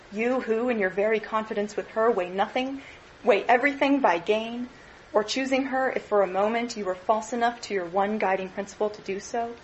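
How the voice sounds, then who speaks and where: Gentle, grieving young woman, soft and steady , a woman reading her part, faint ambience. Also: on the high side, lo-fi sound, a little hiss or hum, natural voice.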